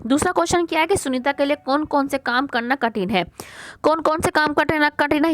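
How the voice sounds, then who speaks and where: A woman teaching a worksheet lesson to young pupils. She asks a question, answers it herself, repeats the words slowly and calls the children "beta". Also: on the high side, a bit bright, no echo. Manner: mixes English words like question, first into her talk.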